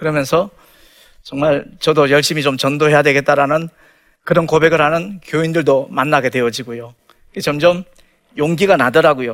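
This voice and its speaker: Moderate pace and fairly even intonation, broken by long, frequent pauses. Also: man, fairly high pitch for a man. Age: 60s. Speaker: pastor and taxi driver. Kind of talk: testimony.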